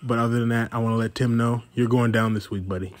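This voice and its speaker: Guy caller giving a mock formal little speech on voicemail, mid pitch, teasing. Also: fairly even intonation, fast.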